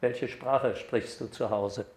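An older man giving an academic lecture at a podium microphone, lively when reading examples aloud. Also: medium pitch, takes it slowly. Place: lecture hall. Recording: echoey hall.

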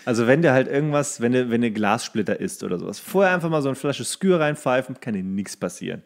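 A man's voice: medium pitch, expressive, fast, creaky. A man speaks in a middle register in a loose, comedic conversation. He co-hosts a podcast and rambles through anecdotes, acting out what people say. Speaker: podcast co-host. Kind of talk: casual comedic chat.

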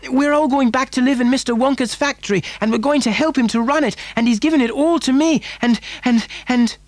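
A man's voice: high-pitched, animated, normal speed, no echo, pitched above the performer's own voice. A man voicing an eager, earnest, polite little boy in a storybook, with breathless emphasis. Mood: breathless excitement.

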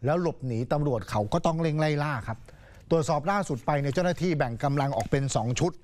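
A man's voice: on the high side, fast, darkish tone. A man anchoring a news program, telling the story in a casual, chatty way with polite particles.

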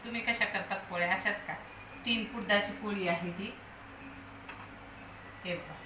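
A woman's voice: mid-range voice, unhurried, roomy sound, noisy background. A woman, talking viewers through home cooking in a chatty, step-by-step way. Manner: scolding and coaxing a pet dog. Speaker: vlogger.

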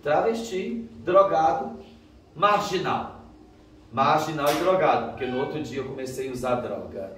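A Brazilian Portuguese-accented preacher tells his testimony dramatically, voicing the dialogue loudly as he goes. He sounds fairly bright and on the high side, expressive, at a moderate pace. The mic is distant, the space roomy, and there's slight hiss or hum.

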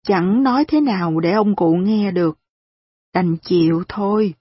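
Gentle rich lady, a mom, read by a woman, soothing and patient, husky, muffled audio. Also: mid-range voice, a little slow, no echo. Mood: gently persuasive. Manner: soothing, reasoning. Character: kind, gentle wealthy lady, a mother.

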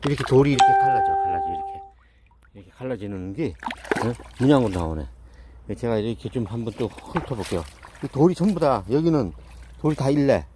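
A man's voice: lowish voice, dark tone, slight background noise. A middle-aged man talking casually outdoors in a mountain stream, muttering and repeating words as he looks at rocks. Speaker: rock-hunting vlogger.

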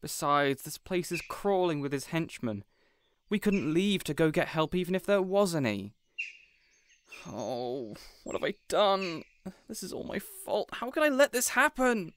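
A man's voice: on the high side, sing-song, unhurried, fairly bright tone, pitched above the performer's own voice. Anxious young male would-be villain acted by a man, raised flustered voice, audio roleplay, noisy background. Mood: distraught, self-blaming. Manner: flustered, self-blaming, urgent. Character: anxious, well-meaning, inept young male would-be supervillain.

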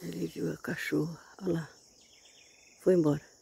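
A woman's voice: sits low, flat delivery, normal speed, vocal fry, dark tone, breathy edge. A woman, chatting folksily while tending her garden outdoors. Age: 70s. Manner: chatty, folksy, keeps saying "look here", religious exclamations. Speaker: grandmother gardening vlogger. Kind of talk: casual chat while tending plants.

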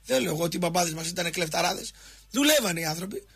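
A man's voice: high voice, lively intonation, gravelly, fairly bright tone, breathy edge. A Greek man hosting a radio talk show, ranting heatedly and hammering the same points again and again at his co-host. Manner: impassioned, repetitive, jabbing at a co-host.

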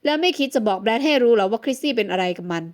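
A woman's voice: fairly high pitch, animated, very fast, natural voice. A woman voicing a brooding, curt mafia man who answers in short, blunt, sulky lines.

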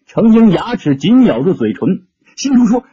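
A man's voice: high-pitched, big pitch swings, normal speed, dark tone, dull audio. A man narrating an audiobook story dramatically, shifting his tone with the action.

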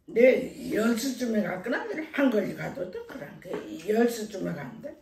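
Older woman, gravelly lively voice. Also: a little high, moderate pace, reverberant, crowd noise. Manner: short simple answers. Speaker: mother. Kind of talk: casual mealtime chat. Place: home dining table, indoors. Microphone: camera across the table.

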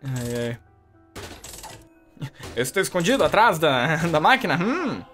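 A man with a Brazilian Portuguese accent commenting on his gameplay in a chatty way, reacting loudly and joking at enemies. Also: on the high side, sing-song, unhurried, soft background music. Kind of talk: let's play commentary.

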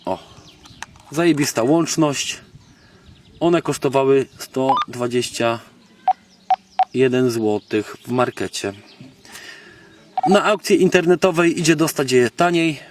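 A man from Poland gives a casual, unscripted gadget demonstration as a video blogger, halting and thinking aloud in colloquial, slangy speech. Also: medium pitch. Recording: noisy, distant microphone, background clicks.

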